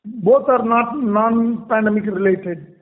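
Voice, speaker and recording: A man with an Indian accent giving halting, measured answers as a company executive on an earnings call. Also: sits high. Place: conference call. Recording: muffled conference line with long reverb.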